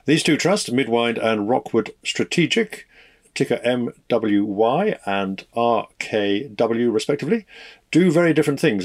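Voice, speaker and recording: A man hosting a podcast, reading scripted financial market news in a measured, formal and fluent way. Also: on the low side. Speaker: podcast host.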